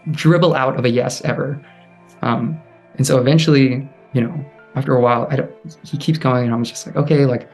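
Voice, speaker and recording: Man, mid-pitch, soft, hesitant interview storyteller, faint music bed. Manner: halting, heavy use of "like", restarts; soft, drops quieter when recalling inner thoughts. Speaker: storyteller guest.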